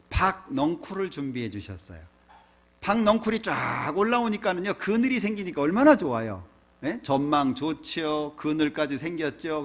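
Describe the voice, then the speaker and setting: A male pastor preaches a sermon in a church in a chatty, conversational way. He keeps tossing rhetorical questions at his listeners. His voice sits a touch high and moves around a lot in pitch.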